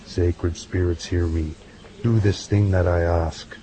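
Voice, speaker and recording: Guy acting as a wise old-style medicine man, real low voice, ceremonial and riddly, audio drama with noise behind. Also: fairly even intonation, dark tone, rough recording. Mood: reverent invocation. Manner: measured, ceremonial, speaks in riddles.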